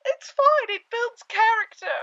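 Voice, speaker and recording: A woman voicing a plucky, self-effacing young scavenger in a conversational cartoon spoof, flustered and halting as she plays things down, on slightly muffled audio. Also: extremely high pitch, lively intonation, a bit bright, full character voice. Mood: reassuring.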